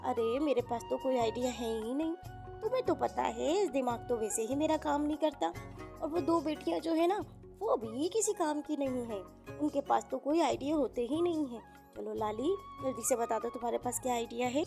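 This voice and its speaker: A woman's voice: sits high, normal speed, gravelly, dark tone, faint music behind. A woman voicing a poor, worried and protective mother in a children's story, plaintive and emphatic. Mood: helpless, hopeful. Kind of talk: children's moral story character acting.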